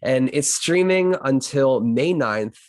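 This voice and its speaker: A man hosting a podcast conversation in a loose, effusive way, halting and then landing on emphatic phrases. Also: medium pitch, animated, dry recording, clean studio sound. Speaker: podcast host. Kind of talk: casual conversational podcast interview.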